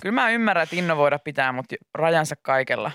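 A woman's voice: low voice, expressive, a bit bright, no room sound. A young woman hosting a radio show, chatting casually in the studio with co-hosts and laughing often. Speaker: radio host.

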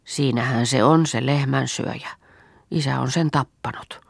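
A woman voicing a practical young farm girl in a storybook, brisk and matter-of-fact. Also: extremely low pitch, creaky, slightly rough, no echo, clean studio sound, full character voice. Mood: plain.

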